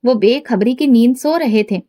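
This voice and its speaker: A woman's voice: on the high side, moderate pace, mellow. A woman reading a first-person story aloud and voicing each character's lines herself. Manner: acts out the dialogue of every character. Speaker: story narrator.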